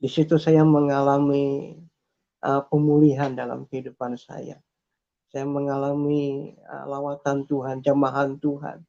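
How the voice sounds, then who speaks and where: A man's voice: mid-range voice, little pitch movement, a little slow, vocal fry, pauses often, mellow. A man telling his personal faith testimony in an earnest, repetitive way, with frequent hesitations. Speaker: testimony speaker. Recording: dull lo-fi recording.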